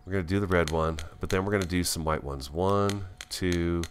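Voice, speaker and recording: A man giving casual, chatty gameplay commentary as a host, thinking aloud and easily excited, talking with a swollen, bitten tongue. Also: deep voice, normal speed, clear, resonant tone. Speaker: gaming video host.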